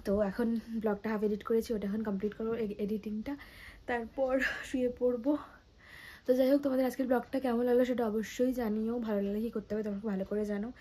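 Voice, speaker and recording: A young woman with a Bengali accent chatting casually to her phone camera at home, keeping her voice low because her family is asleep. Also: steady tone, quick pace, breathy edge. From India. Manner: speaks softly at night, half whispering. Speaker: vlogger. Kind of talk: casual vlog chat.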